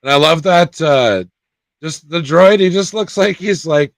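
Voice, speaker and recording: A man's voice: on the high side, measured pace, no room sound. A man co-hosting a casual chat show, joking and laughing often. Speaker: podcast co-host.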